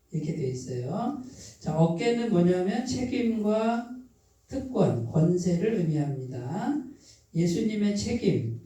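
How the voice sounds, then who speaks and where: A pastor with a Chungcheong accent gives a midweek sermon. The pastor keeps putting questions to the congregation, answers them, and repeats key phrases slowly and softly for emphasis. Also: mid-range voice. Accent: Chungcheong Korean. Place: church sanctuary. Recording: very echoey hall, voice from a distance.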